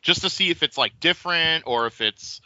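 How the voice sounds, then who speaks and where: A man co-hosting a podcast, jokey and quick with asides, in casual chat. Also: fairly high pitch, sharp tone, no room sound, muffled recording. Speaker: podcast co-host. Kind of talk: casual chat about wrestling.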